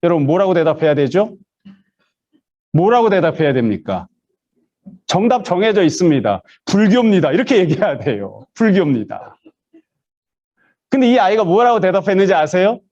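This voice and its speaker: A man's voice: high voice, sing-song, brisk, a little mellow, dull audio. A man preaching a sermon as pastor, telling stories and acting out the voices of the people in them. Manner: storytelling, acting out quoted voices.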